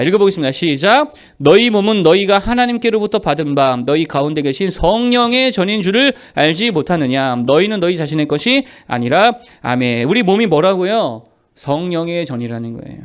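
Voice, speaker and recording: A middle-aged man preaches from the pulpit in a high voice that swings widely in pitch. He poses rhetorical questions and answers them at once, driving each point home through emphatic repetition. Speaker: pastor. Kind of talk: sermon.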